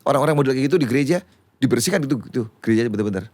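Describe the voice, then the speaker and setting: A man, a pastor teaching in a lively conversational way who acts out quoted voices. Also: mid-range voice, racing, dry recording. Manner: animated, acts out quoted voices, repeats words when excited. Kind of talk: conversational teaching on a church talk show.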